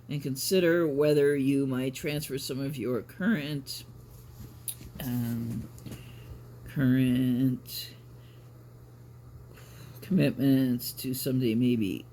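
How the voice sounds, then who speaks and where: Clear ambient noise sits behind a man with a mid-pitched voice. He talks like a casual vlogger at home with the camera, rambling along and often breaking off to correct himself. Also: darkish tone. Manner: rambling, self-interrupting. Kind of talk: casual chatty vlog with some reading aloud.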